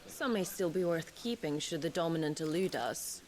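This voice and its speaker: A cold noblewoman gives commands in a low, clipped voice. She is haughty and disdainful, a villain of a fantasy game. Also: animated, moderate pace, a little hiss or hum. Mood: cool, commanding. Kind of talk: fantasy video game voice acting.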